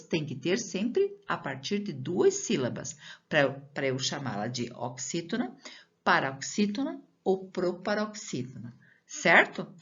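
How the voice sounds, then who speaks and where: A woman's voice: lowish voice, a bit bright, lo-fi sound. A Brazilian woman teacher giving a recorded lesson to children, explaining patiently, stretching out syllables and asking the pupil questions as she goes. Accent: Brazilian Portuguese.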